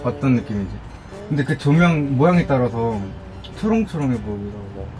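A man's voice: medium pitch, sing-song, normal speed, rough recording. A young man in casual conversation with friends, speaking as a vlogger. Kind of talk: casual chat among friends. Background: music.

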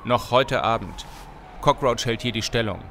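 Man acting commanding street gang leader, medium pitch, slangy orders, audio drama, faint street noise. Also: normal speed, fairly bright tone, natural voice. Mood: firm, bossy. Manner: authoritative, slangy, giving orders. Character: commanding Brooklyn street gang leader, male, urging prudence.

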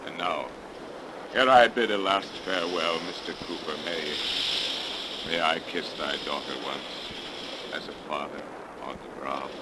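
An actor playing a cursed sea captain, solemn and archaic, in 1930s radio drama style. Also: male voice, extremely low pitch, measured pace. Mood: solemn farewell. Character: cursed, anguished old ghostly sea captain, archaic and tender. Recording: noisy 1930s radio broadcast recording.

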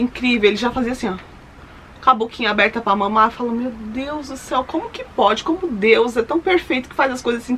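A woman's voice: on the high side, fairly bright tone, a little hiss or hum. A woman in her thirties telling a personal story to her viewers in a chatty, emotional way. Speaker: lifestyle vlogger.

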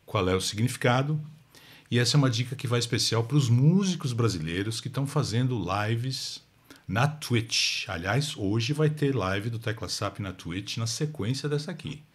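A man with a São Paulo Portuguese accent hosting a language podcast in a lively, chatty way. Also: medium pitch, husky. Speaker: host. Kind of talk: casual chat.

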